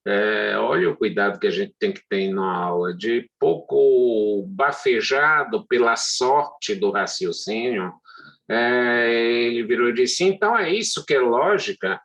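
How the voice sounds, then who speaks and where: A middle-aged man lecturing as a law professor, hesitant and full of drawn-out fillers. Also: on the low side, creaky, fairly bright tone. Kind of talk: university lecture.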